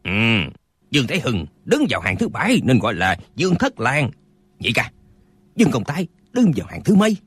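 A man plays a pompous old swordsman who explains nonsense as if it were deep learning, his voice lively and a little rough. The sound is dry and close. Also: fairly quick, no echo, heavily acted. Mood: pleased with himself. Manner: smug, lecturing. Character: self-satisfied old male martial eccentric, pompous.

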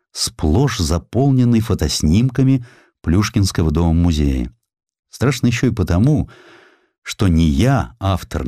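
Male narrator, low-pitched, highly animated intonation, theatrical literary storytelling, deliberate emphasis, dry studio sound. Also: no room sound. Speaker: audiobook narrator. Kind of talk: dramatic literary narration of historical sketches.

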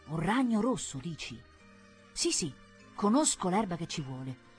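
A woman's voice: lowish voice, measured pace, soft background music. A woman reader voicing an old village nurse who fusses, scolds and chatters. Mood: chatty. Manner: fussing, scolding, lively.

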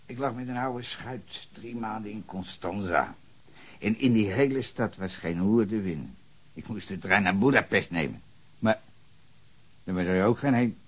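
An actor playing a coarse, hard-drinking sea captain who is under questioning, gruff and blunt in a radio drama. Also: male voice, lowish voice, normal speed. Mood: boastful. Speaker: suspect being questioned.

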